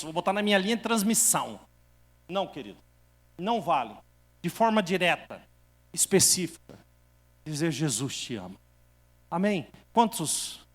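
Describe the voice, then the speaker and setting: A male pastor with a high-pitched voice preaches to his congregation. He tells a story and calls on the listeners to answer him. His voice rings through a hall with a long reverb. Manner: storytelling, challenges the congregation to respond. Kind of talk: sermon.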